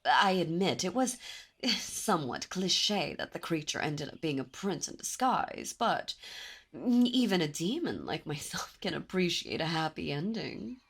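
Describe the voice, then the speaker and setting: A woman voicing a dominant, possessive demon princess in an ASMR roleplay, speaking in a silky, commanding way with soft whispers. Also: fairly low pitch, sing-song, a little slow, husky, exaggerated voice. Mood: languid. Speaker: voice actor. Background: birdsong and ambient sound effects.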